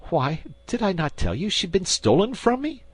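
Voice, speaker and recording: A man's voice: very animated, normal speed, breathy edge, dry recording, heavily acted. A man voicing a frantic, fawning middle-aged landlord in an audiobook, pleading and whining. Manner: pleading, panicky, high and whining. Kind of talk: audiobook character voice.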